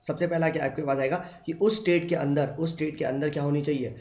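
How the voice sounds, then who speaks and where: A male teacher giving an online exam-prep lecture, mixing English phrases into Hindi, asking rhetorical questions and repeating phrases, then dropping low and quiet for the answers. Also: fairly even intonation, fast. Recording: echoey, dull lo-fi room recording.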